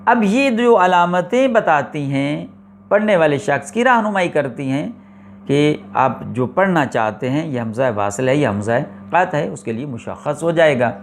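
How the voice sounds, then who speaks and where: Slow-explaining male religion teacher. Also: fairly high pitch, expressive, slight background noise. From Pakistan. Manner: slow, deliberate explanation with repetition and rhetorical questions. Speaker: Quran recitation teacher. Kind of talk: religious classroom lecture.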